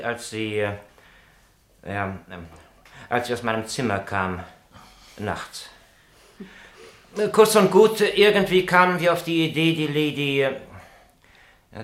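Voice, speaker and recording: An actor playing an earnest, halting gardener who is a secret lover confessing his guilt in a German radio play. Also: medium pitch, fairly bright tone, roomy sound.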